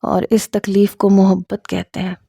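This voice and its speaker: A woman's voice: medium pitch, completely flat delivery, vocal fry, mellow, husky, dry recording. A woman reading the lines of a persistent young man in love, with a playful, coaxing manner. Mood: teasing.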